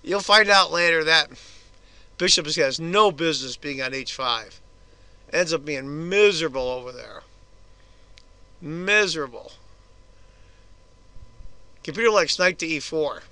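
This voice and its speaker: A hoarse man giving casual, chatty move-by-move commentary on a chess game for his video channel. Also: fairly high pitch, a little slow, long pauses, bright, forceful tone, no room sound.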